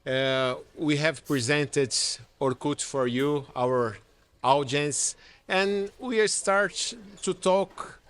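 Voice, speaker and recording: A Brazilian man hosting an interview in a hotel lounge, talking quickly and cheerfully and laughing easily. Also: fairly high pitch, a bit bright, smooth. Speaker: podcast host. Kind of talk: hosting an interview in Portuguese and English. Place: large hotel lounge, indoors. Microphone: desk mic on boom arm.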